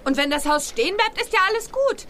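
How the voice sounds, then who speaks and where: A woman's voice: very high voice, animated, fast, bright, forceful tone, exaggerated voice. An actress playing a carefree, easily distracted young witch girl in a children's audio drama, childlike and breezy. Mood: cheerful.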